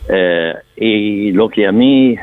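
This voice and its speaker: A man's voice: lowish voice, slow pace, no echo. An older male actor talking with a foreign accent in Spanish, thoughtful and anecdotal as he answers. His voice comes through a thin, tinny phone line. The sound is dry, with no room around it. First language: not Spanish. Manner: thoughtful, storytelling, slightly non-native Spanish phrasing. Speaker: stage actor, guest. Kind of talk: radio interview answers.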